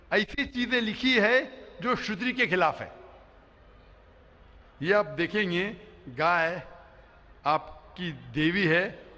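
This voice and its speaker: A man's voice: high voice, bright, forceful tone. A middle-aged man preaching to a large crowd on an arena stage, explaining points emphatically into a stand microphone and often checking that listeners understand. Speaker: Islamic preacher answering audience questions. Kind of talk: public question-and-answer lecture. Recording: long hall reverb.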